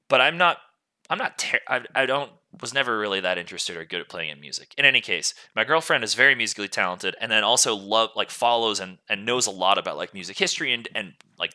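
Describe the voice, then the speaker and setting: A man's voice: lowish voice, pushed and bright. A young man hosting a podcast in casual chat, rambling along and often interrupting himself, recorded on a close mic. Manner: rambling, frequently self-interrupting. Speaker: podcast host.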